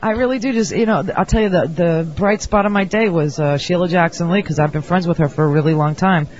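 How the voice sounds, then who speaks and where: Fast radio host guy, kinda high voice, rambly, muffled old radio sound. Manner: quick, animated, rambling with restarts. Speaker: radio talk show host. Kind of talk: casual phone conversation at a convention. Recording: dull lo-fi radio audio.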